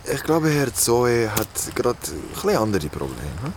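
A man's voice: medium pitch, sing-song, moderate pace, background noise. An actor playing a slangy teenage boy in a radio play, casual then frantic. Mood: relaxed. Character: teenage boy Besim, laid-back then panicking.

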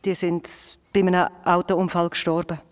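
An actress playing a mother who makes a halting confession. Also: on the low side, level tone, natural voice.

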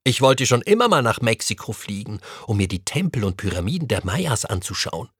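A man reading a first-person adventure story aloud, with an animated, expressive delivery. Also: on the low side, fairly quick, breathy edge, no echo, clean studio sound. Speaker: story reader.

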